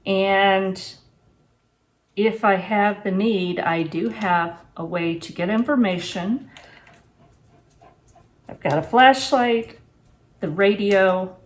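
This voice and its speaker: Slow-talking woman in her sixties. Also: medium pitch. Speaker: homesteading vlogger reviewing gear and giving advice. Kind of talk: casual unscripted talk to camera. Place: home kitchen, indoors.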